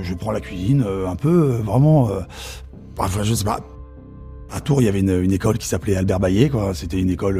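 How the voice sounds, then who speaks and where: Hesitant low-voiced French chef. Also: male voice, mellow. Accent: Parisian suburban French. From Paris suburbs, France. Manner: hesitant, many fillers and restarts. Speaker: chef interviewed about his career. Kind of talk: casual spoken recollection.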